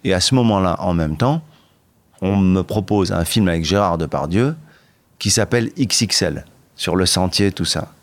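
A middle-aged man, a podcast guest, talks in a low voice that stays lively as he tells stories. He restarts his sentences and breaks into bursts of excitement. The sound is close and dry, with no room echo. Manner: animated storytelling, halting restarts, bursts of excitement. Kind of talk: candid interview talk.

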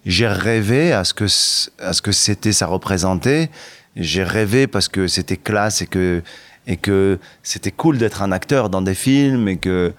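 A middle-aged man, a podcast guest, talks in a low voice that stays lively as he tells stories. He restarts his sentences and breaks into bursts of excitement. The sound is close and dry, with no room echo. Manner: animated storytelling, halting restarts, bursts of excitement. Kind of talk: candid interview talk.

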